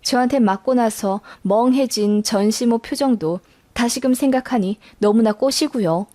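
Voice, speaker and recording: Higher-pitched woman narrating a life story. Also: normal speed, mellow, no echo. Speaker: narrator of listener life stories. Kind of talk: scripted first-person story narration.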